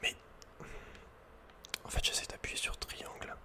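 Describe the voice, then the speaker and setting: A man speaks entirely in a breathy, unvoiced whisper. He comments on his video game casually and with slang, often muttering to himself. The delivery is ASMR, spoken close to the microphone. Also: a little slow.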